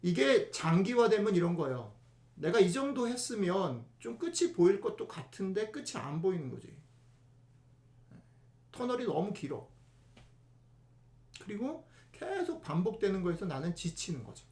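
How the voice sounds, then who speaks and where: A man's voice: high-pitched, sing-song, normal speed, pauses often, darkish tone. Man, pastor, conversational sermon, rhetorical questions, roomy echo. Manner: chatty, asks the congregation rhetorical questions.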